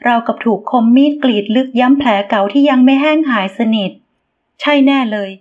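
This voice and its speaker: A woman reading a romance novel aloud in a steady, expressive storybook narration. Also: high-pitched, fast, phone-quality sound. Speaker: audiobook narrator.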